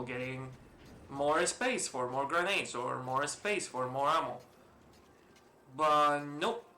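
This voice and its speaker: Gaming host, male, Spanish-influenced accent, bright edgy voice, loose swearing play-along chatter. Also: mid-range voice. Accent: mixed, Spanish-influenced. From Spain. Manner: rambling, swears freely, chuckles often. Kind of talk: casual let's-play commentary. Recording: roomy echo, faint hiss.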